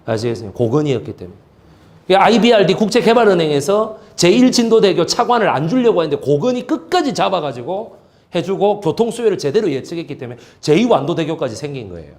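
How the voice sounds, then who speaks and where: A man's voice: sits high, fast talker. A middle-aged man giving a lecture on history who tells stories and keeps asking the audience rhetorical questions. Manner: lively, asks rhetorical questions, acts out quotes. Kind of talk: animated lecture storytelling.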